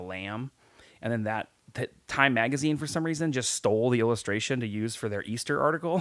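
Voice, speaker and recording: Someone with an American accent and an unremarkable speaking voice talks at a fairly quick pace with lively intonation on a very clean recording with a silent background. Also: man. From Kansas / US Midwest (Kansas City area, Olathe). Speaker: podcast host and DJ. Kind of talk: casual chat. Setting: living room.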